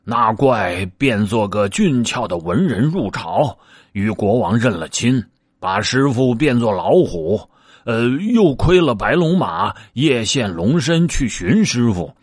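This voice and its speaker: A man's voice: fairly low pitch, animated, a little slow, slightly rough, dry recording, studio quality. A man voicing a sly, lazy male pig disciple who coaxes and pleads with hesitant fillers. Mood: coaxing.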